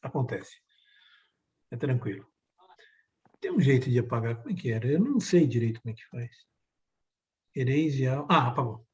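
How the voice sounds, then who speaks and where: A man's voice: medium pitch, sing-song, moderate pace, pauses often. A man teaching a Bible lesson in a conversational way, often ending points with "né?" and repeating key phrases. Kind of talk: teaching a Bible lesson, reading scripture aloud.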